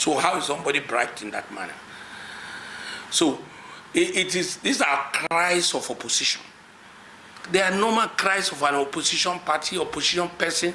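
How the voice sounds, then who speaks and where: A man talks at a moderate pace in a high voice with ordinary pitch variation. He leaves long, frequent pauses, and there is noticeable background noise. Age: 60s. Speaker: political commentator. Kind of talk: political talk show interview. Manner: animated.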